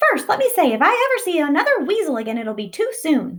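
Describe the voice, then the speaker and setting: A woman puts on a squeaky character voice at an extremely high pitch, swinging very widely up and down. She races along at a very fast pace. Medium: read story. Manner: theatrical, joking.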